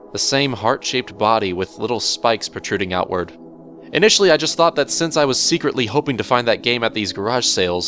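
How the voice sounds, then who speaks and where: Male horror narrator, fairly low register, measured and theatrical, music behind the voice. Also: fairly bright tone. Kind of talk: dramatic horror story reading. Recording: music bed under the voice.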